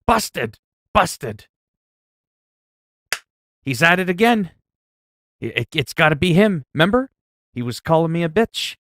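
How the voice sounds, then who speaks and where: A man hosting a livestream, chatting loudly in a mock-stern, profane way with quick swings in volume. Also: fairly high pitch, very animated, dry recording. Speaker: livestream host. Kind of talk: casual livestream chat.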